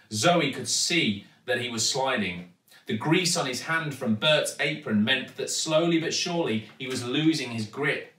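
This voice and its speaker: British male storybook reader: dramatic, animated delivery, recorded in an echoey room at some distance. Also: medium pitch. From United Kingdom. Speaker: actor reading a children's book. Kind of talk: expressive storybook narration.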